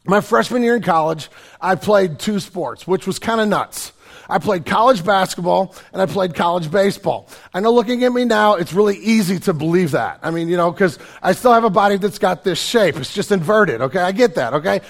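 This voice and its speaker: Man, pastor, raspy from a cold, high voice, conversational sermon. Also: animated, brisk. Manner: conversational, self-deprecating, joking asides. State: hoarse from a cold.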